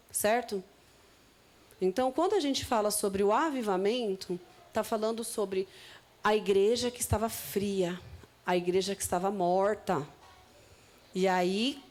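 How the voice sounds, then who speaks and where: A woman with a Brazilian Portuguese accent preaching a sermon, reading scripture aloud slowly and then explaining it in loose, conversational asides. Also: medium pitch, darkish tone.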